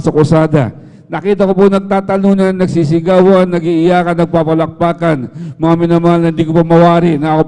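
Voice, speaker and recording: A man's voice: a little high, dark tone, smooth, big-room sound. A man with a Filipino accent giving a spoken testimony at a church prayer service, addressing the congregation as "beloved" between nearly every phrase.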